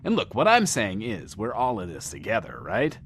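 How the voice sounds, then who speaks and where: An actor playing a sardonic, theatrical radio host with mad-inventor flair, rambling wryly in an audio drama. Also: male voice, lowish voice, huge pitch swings, normal speed, fairly bright tone, slight background noise, heavily acted.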